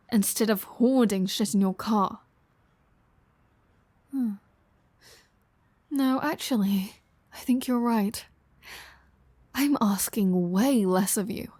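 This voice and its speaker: A woman's voice: medium pitch, a little mellow, no echo, lightly acted. A flirty female vampire, played by a woman in an audio roleplay, speaks at a leisurely pace in a mid-range voice. She is sardonic and playful, needling the listener with dry teasing. The sound is very dry, with no room around it.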